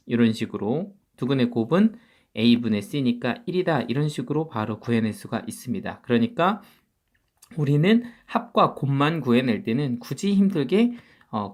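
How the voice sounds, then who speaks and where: A man tutoring high school math, explaining each step and answering his own questions as he goes. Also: a little mellow. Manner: explains step by step, often asks and answers himself. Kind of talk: spoken math lecture.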